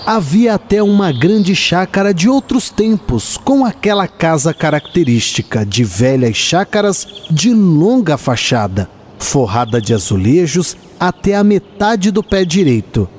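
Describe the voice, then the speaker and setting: A Brazilian man narrating a literary radio drama in a measured, expressive storytelling manner. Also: on the high side, slight background noise.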